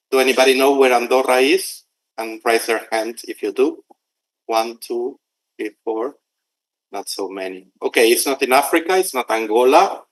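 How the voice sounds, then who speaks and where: A middle-aged man from Argentina, giving a conversational conference presentation and pausing at times to find words. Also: mid-range voice, rough recording. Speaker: conference speaker.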